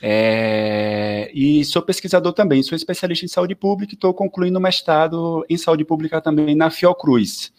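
Chatty man, slightly high voice. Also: moderate pace, hardly any pauses. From southern Bahia, Brazil. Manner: lively, chatty, many filler tags. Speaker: guest. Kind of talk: casual interview chat.

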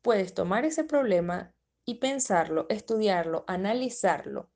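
A woman's voice: medium pitch, animated, unhurried, a little mellow. A woman presenter explaining a topic in a methodical way, often restating her key terms. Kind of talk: explanatory talk.

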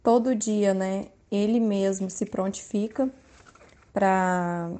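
A woman in her thirties with a Brazilian Portuguese accent, calmly sharing parenting tips from her own home life in an unhurried, soft-spoken way. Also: medium pitch. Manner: soft-spoken, unhurried, frequent tag questions. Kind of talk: calm personal testimony.

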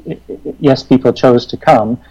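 A man from Western Canada, talking reflectively in conversation, thoughtful and halting with many restarts. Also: medium pitch, dark tone, muffled recording.

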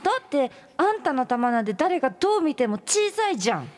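A woman's voice: very high-pitched, big pitch swings, a little fast, pitched above the performer's own voice. A woman voicing a coy, teasing young woman in a playful, mock-bashful manner.

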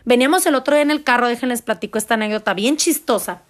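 Mexican lady in her 40s, loud and animated, chatting to her viewers, voice sits a bit high. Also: rapid-fire. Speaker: mother sharing family stories. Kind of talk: casual storytelling to viewers.

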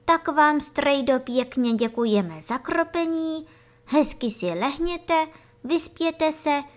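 A woman voicing doting female worker bees in a children's storybook, speaking in high, cooing, sing-song baby talk. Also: animated.

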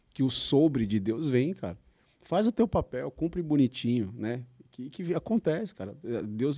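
A man's voice: mid-range voice, warm tone, dry recording. A man on a faith podcast, emphatically explaining a point in casual chat. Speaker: guest.

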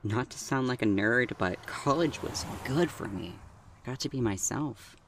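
A woman's voice: extremely low pitch, animated, moderate pace, slight background noise. A woman playing an anxious, sincere young driver in an audio drama, speaking hesitantly and naturally. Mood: earnest, vulnerable. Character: earnest anxious young magical driver, college-bound.

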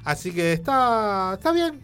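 A man's voice: high-pitched, very animated, a little slow, fairly bright tone, clear, resonant tone. A man co-hosting a podcast, chatting casually about news, rambling and stopping to search for words. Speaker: podcast co-host.

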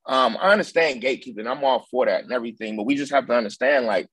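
A man's voice: medium pitch, quick pace, a bit bright, slightly rough, no echo. A man with an African American accent explaining casually in a discussion, often adding "you know what I mean". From United States.

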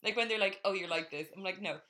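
A woman's voice: mid-range voice, quick pace, bright, forceful tone. A young woman from Ireland co-hosting a podcast, chatting casually and rambling in a self-mocking way. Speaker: podcast co-host. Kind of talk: casual chat.

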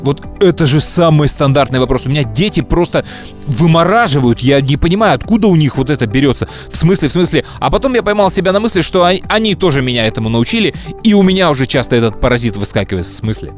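A man's voice: fairly high pitch, expressive, fast, faint music behind. A male podcast co-host talking casually and teasing his partner. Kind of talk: casual chat.

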